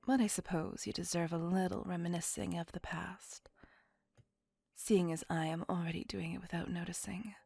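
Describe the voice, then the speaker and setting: A woman voicing a possessive, doting, centuries-old female vampire in an ASMR roleplay, whispering softly with formal, old-fashioned phrasing. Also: on the low side, fairly even intonation, moderate pace, vocal fry, breathy edge, no room sound, soft background music. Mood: wistful. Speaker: voice actor.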